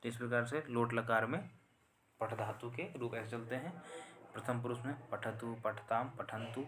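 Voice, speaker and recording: A man's voice: mid-range voice, steady tone, normal speed. A man teaching Sanskrit grammar in an online lesson, chanting verb forms in a sing-song drill and patiently checking in with the class. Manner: explains patiently, asks "hmm?" often.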